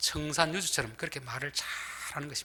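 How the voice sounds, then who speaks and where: The voice belongs to a man. He speaks with a Gyeongsang accent. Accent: Gyeongsang dialect, can't lose it. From Gyeongsang region, South Korea. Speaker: pastor. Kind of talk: sermon.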